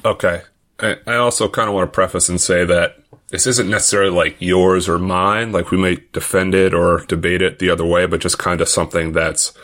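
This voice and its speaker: A man's voice: low voice, a bit bright. A man with a Boston accent chatting casually as co-host of a sports podcast, with joking banter.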